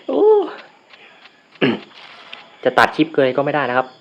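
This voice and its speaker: A man's voice: mid-range voice, huge pitch swings, drawn-out words. Swearing male gamer, lo-fi room recording. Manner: swears and shouts in bursts at the game; shy, mumbled asides to viewers. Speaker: gamer recording a let's play. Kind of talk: casual game commentary. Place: room at home. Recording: dull lo-fi sound with faint noise.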